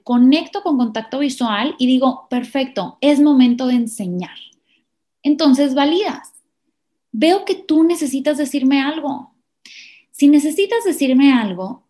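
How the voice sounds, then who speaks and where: High-voiced woman giving parenting advice. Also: mellow. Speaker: parenting educator. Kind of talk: explanatory podcast talk.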